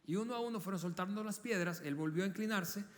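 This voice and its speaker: A high-pitched male pastor preaches in an earnest, talky way. He keeps repeating words and throws questions at his listeners. His voice rings out with a long reverb tail in a church auditorium. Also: fast talker, slight background noise. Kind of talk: sermon.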